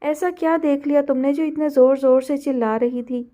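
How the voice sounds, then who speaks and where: A woman reading as a patient older sister who mildly scolds the younger ones. The voice is high and mellow, close to the reader's own. It is a storybook reading. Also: steady tone, a little fast, close to an everyday voice. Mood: scolding.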